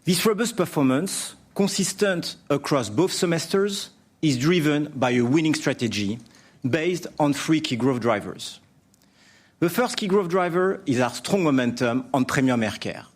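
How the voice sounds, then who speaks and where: A man delivering a formal, prepared business presentation as a company executive, in measured scripted phrases. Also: on the high side, lively intonation. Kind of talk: prepared earnings presentation speech.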